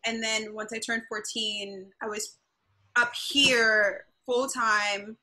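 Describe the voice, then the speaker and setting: A woman's voice: on the high side, takes it slowly, low-quality recording. A young woman from Jamaica, a guest chatting casually over a video call from her bedroom at home. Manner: relaxed, chatty, animated storytelling. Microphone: laptop webcam on video call.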